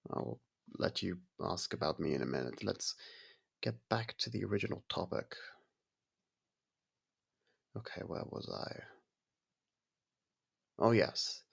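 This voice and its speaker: A man playing an aloof centuries-old vampire who grudgingly cares for a human, in an intimate ASMR roleplay, gravelly, husky and measured with a slightly haughty, halting delivery. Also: low-pitched, lively intonation, heavily acted. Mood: measured, explanatory.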